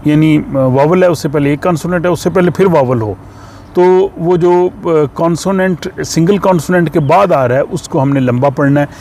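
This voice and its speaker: Male teacher, slightly higher voice, patient and explanatory, faint street noise. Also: darkish tone. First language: Urdu. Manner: patient and explanatory, with many pauses and filler sounds. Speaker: language teacher. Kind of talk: explanatory lesson.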